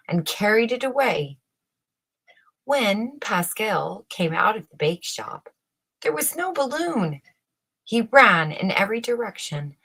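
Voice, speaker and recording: A storybook reader, a woman, narrates a children's tale very unhurriedly, like a bedtime read-aloud, giving her phrases dramatic emphasis. Her voice is a little low and creaky yet fairly bright in tone.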